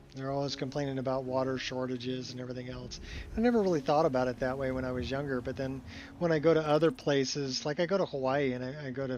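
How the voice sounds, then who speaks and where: Fairly even intonation holds across speech that races along at a very fast pace. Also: man, medium pitch for a man. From California. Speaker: video game streamer. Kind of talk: casual gameplay commentary chatting with viewers. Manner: casual, repetitive, thinking aloud.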